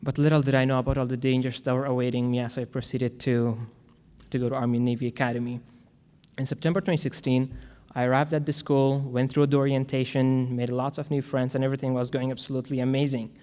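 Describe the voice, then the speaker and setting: A young man from Afghanistan, giving an earnest, measured prepared speech as guest speaker to a school audience. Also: mid-range voice, level tone, dark tone, smooth. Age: young adult. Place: large school hall. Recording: long hall reverb.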